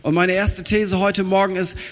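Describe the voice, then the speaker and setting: A man preaching a sermon, animated and acting out little dialogues as he tells a story. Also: high voice, normal speed, big-room sound. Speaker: pastor.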